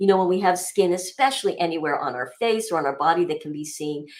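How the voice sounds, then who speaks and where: A woman's animated voice, fairly low in pitch, with lively intonation and a fairly quick pace. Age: 60s. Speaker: wellness product presenter. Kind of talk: livestream product presentation. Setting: livestream.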